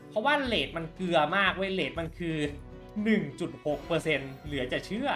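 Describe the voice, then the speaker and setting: A man giving casual commentary while redeeming codes in a mobile game, chatting along and thinking aloud with quick excited exclamations. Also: sits high, faint music behind. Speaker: mobile game channel host.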